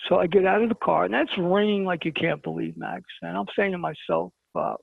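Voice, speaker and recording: A man's voice: sits high, fairly quick, no room sound. A man with a Brooklyn accent, a talk show guest telling a personal story and acting out the dialogue. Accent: New York (Brooklyn). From Brooklyn, New York. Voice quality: gravelly, husky voice. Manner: animated storyteller who acts out dialogue. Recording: tinny phone-line call-in.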